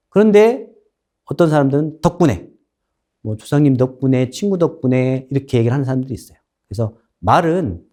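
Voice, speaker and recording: A man giving a lecture on speaking kindly, weaving in stories. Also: a little high. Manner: animated, storytelling. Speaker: instructor. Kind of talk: lecture with storytelling.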